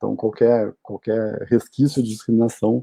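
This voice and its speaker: The dark, mellow, medium-pitched voice of a man comes through with a dry, close sound and no echo. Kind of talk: panel discussion. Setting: video call. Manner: fast; halting, many repetitions.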